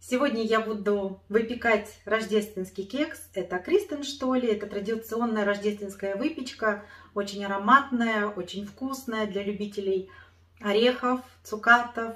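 Pitch varies in an ordinary way, and the background is quiet. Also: woman, fairly slow pace. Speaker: home cooking vlogger. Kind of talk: cooking tutorial. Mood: cheerful, smiling. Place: kitchen.

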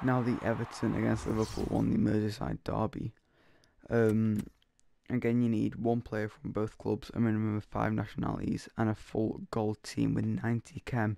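Quiet and at a moderate pace, a man speaks in a dry, close sound with no echo. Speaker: gaming youtuber. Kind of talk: gameplay commentary.

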